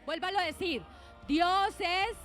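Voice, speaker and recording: A woman's voice: extremely high pitch, unhurried, a bit bright, faint music behind. A middle-aged woman pastor with a Colombian Spanish accent, preaching a sermon in church, exhorting the congregation and asking them questions.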